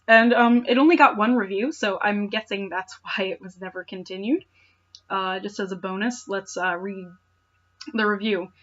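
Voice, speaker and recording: A woman's voice: mid-range voice, steady tone, normal speed, a bit bright, dull audio. A woman reading fan fiction aloud with sarcastic, incredulous asides and exaggerated dramatic narration.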